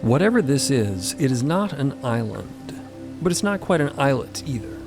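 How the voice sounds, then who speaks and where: Gravelly man narrating audio fiction. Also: medium pitch, sing-song, moderate pace, over music.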